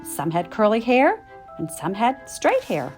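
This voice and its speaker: A middle-aged woman reads a children's picture book aloud. Her delivery is animated and expressive, with emphatic phrasing meant for young listeners, over faint music. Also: a little high, unhurried. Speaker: storytime reader.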